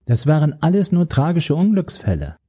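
A man's voice: on the high side, huge pitch swings, moderate pace, warm tone, slightly rough, voice pushed up, heavily acted. A man voicing a smug, mocking young male henchman who talks down to an old man. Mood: taunting. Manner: mocking, chatty, condescending. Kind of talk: audiobook character voice.

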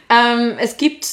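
High-voiced, teasing woman. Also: fairly bright tone. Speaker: podcast co-host. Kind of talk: casual chat, advice to listeners.

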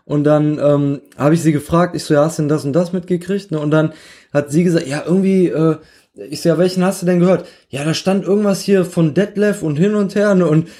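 A man's voice: on the high side, steady tone, brisk, mellow. A man co-hosting a casual podcast, talking in a rambling, hesitant way with many tag questions. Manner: rambling, hesitant, full of "ne?" and "sag ich mal". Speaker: podcast co-host.

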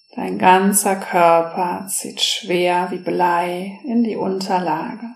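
A woman speaking slowly and softly, leading a guided relaxation meditation. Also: on the low side, creaky. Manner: slow, soft-spoken, soothing. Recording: roomy echo.

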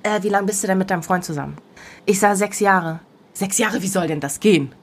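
A woman in her thirties co-hosts a podcast, telling an anecdote in casual conversation and performing the quoted dialogue with animation. Her medium-pitched voice runs a little fast over slight background noise.

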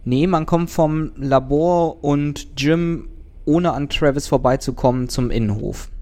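A man's voice: a little high, a little slow, a little mellow. A man playing a mystery game, casually thinking aloud and joking. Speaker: player. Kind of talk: casual podcast chat.

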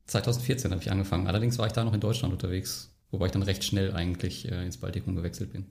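A man's voice: low-pitched, flat delivery, rapid-fire, gravelly, darkish tone. A man hosting a podcast, talking in an easygoing, casual way. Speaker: podcast host. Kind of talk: casual conversation.

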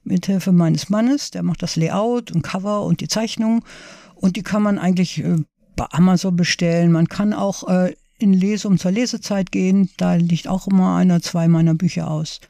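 A woman author reads her own prose at an even, measured pace, then chats a little hesitantly. The recording is close and dry, with no room echo. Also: fairly low pitch, vocal fry. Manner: hesitant with fillers in chat. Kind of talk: reading her own novel, then casual chat.

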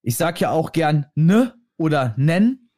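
Animated young man, slightly high voice. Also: a little slow, no room sound, clean studio sound. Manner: animated, rambling storytelling. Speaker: podcast co-host. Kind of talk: casual chat.

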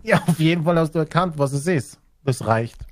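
A man's voice: fairly high pitch, brisk, no echo, clean studio sound. A man chatting casually in a jokey, playful way. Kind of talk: casual banter.

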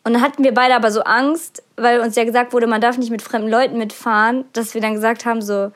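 Chatty young woman, slightly high voice. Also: steady tone, fast. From Bonn area, Germany. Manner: chatty, self-mocking, breaks into laughter. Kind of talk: casual chat with her sister.

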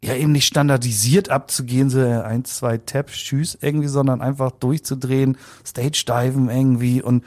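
Mellow-voiced man around fifty, chatting casually. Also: medium pitch, little pitch movement, normal speed, few pauses. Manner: rambling, colloquial, repeats words. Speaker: interviewee. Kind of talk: casual conversational recollection.

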